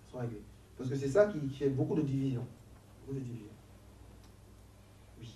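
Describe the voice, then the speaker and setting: A man with a cold leading a Christian talk on marriage, casual and lively, laughing often and repeating words. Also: medium pitch, a little fast. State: has a cold. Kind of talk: casual teaching talk with a group. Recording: echoey room, from a distance, faint noise.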